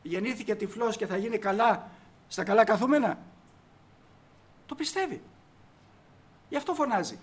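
Male preacher with a high voice, delivering a sermon with force and rhetorical questions. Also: animated, pauses often, slightly rough. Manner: emphatic, asks the congregation rhetorical questions.

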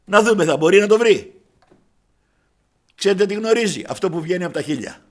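A male preacher with a high-pitched voice delivers a sermon as a story. He addresses the congregation as brothers and slips into the voices of the people he quotes. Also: lively intonation. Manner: acts out dialogue in quoted voices.

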